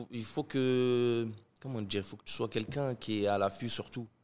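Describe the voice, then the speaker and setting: On a very clean recording with a silent background, a man of medium pitch speaks very slowly with fairly even intonation. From Algeria, Algiers. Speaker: professional karate fighter. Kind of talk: casual interview. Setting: boxing gym.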